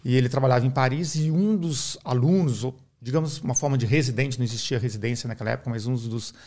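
A middle-aged Brazilian man, a neurologist, explaining his field in a measured, teaching way on a podcast, often tagging his sentences with a questioning aside. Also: medium pitch, darkish tone. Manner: measured, didactic, uses many "né?" tags. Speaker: neurologist guest.

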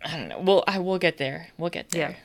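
A woman co-hosting a casual sports podcast, chatty with lively asides and fillers. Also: fairly low pitch, a little fast. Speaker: podcast co-host.

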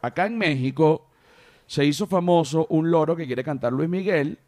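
A man hosting a podcast, telling anecdotes in a casual, animated way. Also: on the high side, normal speed. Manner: animated storyteller, mimics animal cries. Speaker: podcast host.

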